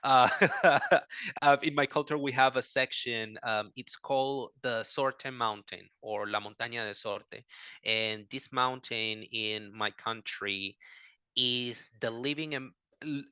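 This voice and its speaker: A man's voice: mid-range voice, steady tone, slow pace, sharp tone, clear, resonant tone, no echo, highs cut off. A man from Venezuela on a panel, talking in an apologetic, self-correcting way with laughs between his sentences. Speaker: panel guest. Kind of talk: casual panel discussion.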